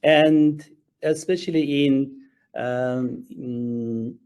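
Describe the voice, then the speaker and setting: A man from Turkey, a Muslim chaplain, speaking haltingly on a panel over a video call, with many fillers and restarts. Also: mid-range voice, steady tone, darkish tone, clear, resonant tone.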